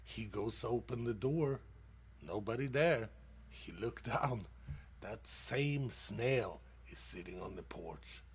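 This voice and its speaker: Man, comedy host, corny jokes, laughs at own punchlines, slow gravelly delivery. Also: fairly low pitch, expressive, a little hiss or hum. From Sweden. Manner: casual, calls listeners dude. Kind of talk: dad-joke stand-up on internet radio.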